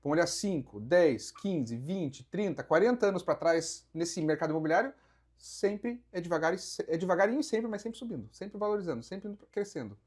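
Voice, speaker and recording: Husky Brazilian man explaining investments. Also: high-pitched, lively intonation, moderate pace, a little mellow. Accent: Brazilian Portuguese. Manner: explanatory, counts through figures, asks rhetorical questions. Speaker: guest, real estate investment advisor. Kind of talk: casual podcast conversation.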